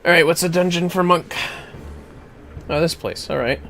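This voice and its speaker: A man's voice: a little high, normal speed, sharp tone, a little hiss or hum. A man livestreaming a video game, chatting casually with reactive, sweary asides.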